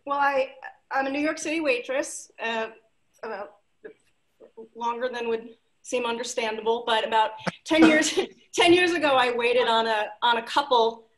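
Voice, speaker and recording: A woman in her forties, a playwright, telling a heartfelt story softly over a video call from home. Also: fairly high pitch, moderate pace, poor audio. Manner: heartfelt, soft, trailing off, emotional. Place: home living room.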